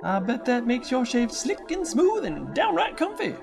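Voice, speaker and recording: An actress playing a folksy, gushing presenter in an old-time radio comedy ad. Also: female voice, huge pitch swings, moderate pace, gravelly, heavily acted. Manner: folksy, gushing pitch talk. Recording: music bed under voice.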